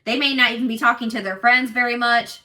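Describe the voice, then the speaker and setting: A woman with a strong, loud voice giving a casual tarot reading to viewers in an assertive, emphatic, repetitive manner. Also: a little high, fairly even intonation, fast talker, recorded from a distance. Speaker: tarot reader and channel host.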